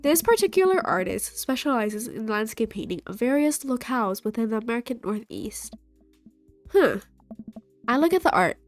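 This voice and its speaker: A young gaming host with a stuffy nose from a cold reads a dating game at a moderate pace, her slightly high voice swinging widely in pitch. She playfully voices all the characters herself as faint game music runs behind her.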